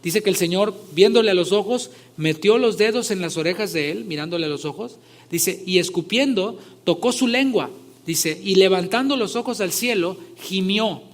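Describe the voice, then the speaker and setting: Male pastor, fairly high voice, conversational sermon with emphatic swells. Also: normal speed. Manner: conversational, rising loud when retelling scripture scenes.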